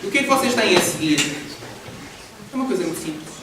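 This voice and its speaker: A man's voice: high-pitched, fast. A man teaching a poetry class, explaining with animation and frequent laughs. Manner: lively, explanatory, laughs often. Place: large echoey library hall. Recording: echoey hall, distant mic, noisy.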